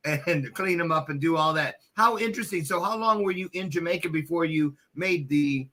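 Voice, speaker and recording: A man's voice: a little high, normal speed, bright, forceful tone. A man hosting a casual, chatty online interview in a folksy, playful manner. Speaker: host of an online interview show.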